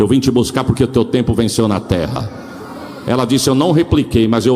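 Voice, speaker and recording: A man talks at a fairly quick pace with ordinary pitch variation against noticeable background noise. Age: 40s. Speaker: pastor. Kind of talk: sermon. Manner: animated.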